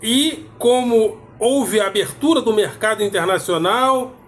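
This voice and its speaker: A man lecturing on philosophy, measured and emphatic, repeating key words for weight. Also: high-pitched, fairly bright tone. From South America. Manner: measured, emphatic repetition with pauses. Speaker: philosophy teacher. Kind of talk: explanatory lecture.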